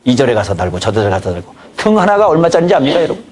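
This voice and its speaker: Here a fifties-aged pastor gives an evangelism training lecture at church, full of homespun family anecdotes and acted-out conversations. He speaks at a racing clip, very animated, in a medium-pitched voice that is a little mellow with a breathy edge.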